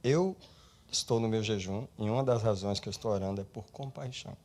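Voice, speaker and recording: A male pastor preaching an animated sermon, swinging between loud and soft and slipping English words into his speech. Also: on the low side, brisk.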